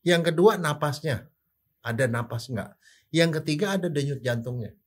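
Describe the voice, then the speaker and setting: An older man, a forensic doctor, explaining in casual chat with rhetorical questions and animated sound effects. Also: fairly high pitch, moderate pace, breathy edge.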